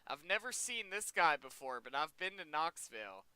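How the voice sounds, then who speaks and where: A man's voice: on the high side, very animated, normal speed, pushed and bright, clear, resonant tone, no echo, rough recording. A young man hosting a video, reacting to pictures in rambling, chatty casual commentary, often repeating himself. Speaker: video host.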